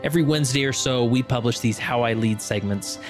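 An upbeat male podcast host chatting at an ordinary middle pitch, full of little fillers and restarts. Faint music plays softly behind him. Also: fairly quick. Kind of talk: casual interview and scripted promo read.

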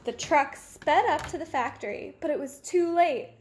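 A woman's voice: high-pitched, moderate pace, a little hiss or hum. A woman in her twenties reading a children's picture book aloud expressively, in simple phrases for young listeners. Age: 20s. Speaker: read-aloud storyteller. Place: small room at home, indoors. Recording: roomy home recording.

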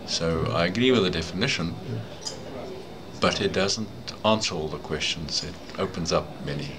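An older man from South Africa whose first language is Afrikaans, with a South African accent, giving measured, thoughtful answers as an advocate being interviewed indoors. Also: low voice. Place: indoor room, seated. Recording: noisy room ambience.

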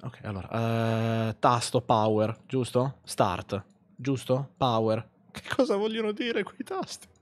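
A man's voice: medium pitch, expressive, slow. A man streaming a game live, commenting sarcastically, swearing and mocking what he plays.

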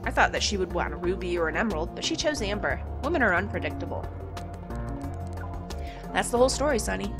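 A woman reading the part of a cranky old jeweler in a fantasy game, gruff and a bit loud, grumbling his story out. It sits on a middle pitch with a raised, pushy volume, and he keeps waving people off. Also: big pitch swings, fast talker, pauses often, over music. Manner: gruff, grumbling, calls the hero sonny. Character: grumpy old male jeweler. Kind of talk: reading game dialogue aloud.

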